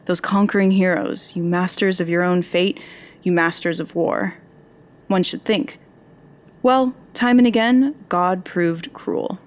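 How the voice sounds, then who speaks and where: An actress playing a young journalism graduate, dry, sarcastic and curious, in a naturalistic audio drama. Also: female voice, mid-range voice, close to an everyday voice. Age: young adult.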